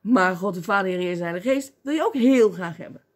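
Animated husky woman preaching. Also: medium pitch, quick pace. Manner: animated, acts out voices and cries out. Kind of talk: lively sermon.

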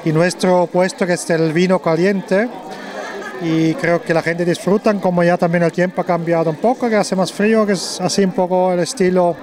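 High-pitched man, crowd behind. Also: flat delivery, normal speed. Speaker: club member being interviewed. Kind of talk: casual on-location interview. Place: busy indoor Christmas market. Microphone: handheld interview microphone. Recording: crowd chatter in busy hall.

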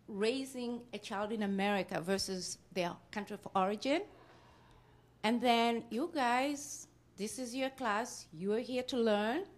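A middle-aged woman hosts a panel with an upbeat, welcoming manner. Her voice sits at a mid pitch. She speaks into a handheld mic in a classroom. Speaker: class host. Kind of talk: moderating a panel.

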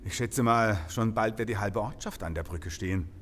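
Man playing a low-voiced, familiar small-town detective. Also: moderate pace, fairly bright tone, a little hiss or hum, natural voice. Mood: dismayed. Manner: colloquial, teasing, familiar. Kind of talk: German audio drama acting.

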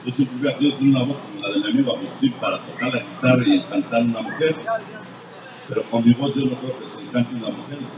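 An older man with a Mexican accent giving blunt, crude testimony at a recovery group meeting, going from low murmurs to loud shouts. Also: fast. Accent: Mexican Spanish. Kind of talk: blunt, profane confessional testimony. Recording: distant, echoey, dull-sounding room recording with noise.

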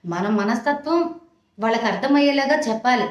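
A woman's voice: on the high side, expressive, normal speed. A woman giving frank relationship advice to young wives in a motherly way, often checking that listeners understand. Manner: motherly, addresses listeners as "amma". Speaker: advice channel host. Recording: echoey room.

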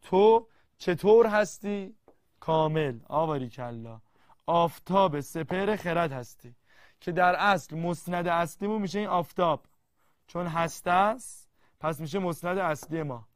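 A man teaching a literature grammar lesson, quizzing the class and reading verses slowly word by word. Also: on the high side, dry recording. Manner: lively, quizzing students and answering himself.

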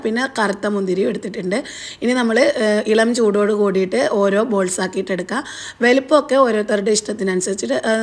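Fast-talking Malayali woman cooking host. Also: medium pitch, darkish tone. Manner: chatty, explains step by step with fillers. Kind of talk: recipe voice-over narration.

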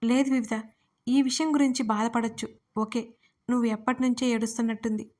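A gentle, caring young woman from an audio story, read by a woman narrator. She speaks softly and reassuringly, in a higher voice with little rise and fall. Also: fairly even intonation, fairly quick, close to an everyday voice. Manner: soft and reassuring.

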